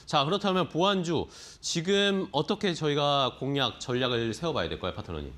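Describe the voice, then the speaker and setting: A man hosting a stock market talk show, leading the segment in an upbeat, lively way and turning questions to his guest. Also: fairly high pitch, fairly quick. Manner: lively, upbeat, starts lines with "자".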